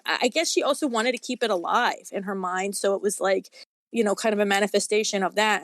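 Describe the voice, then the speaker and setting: Candid woman, mid-pitched, in dry sound. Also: dry recording. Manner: candid, reflective, informal. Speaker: author, interview guest. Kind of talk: casual conversational interview.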